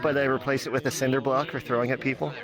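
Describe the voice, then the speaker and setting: Guy chatting casually, average pitch, stumbles a bit, lots of voices in the background. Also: level tone, fast talker. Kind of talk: casual chat. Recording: voice chat with crowd chatter behind.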